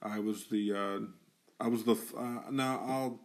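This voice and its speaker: A young man with a fairly low voice, chatting loosely on a podcast. He swears constantly, jokes around and laughs often. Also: steady tone, measured pace, darkish tone. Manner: profane, joking, laughs often. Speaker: podcast co-host. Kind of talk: casual chat.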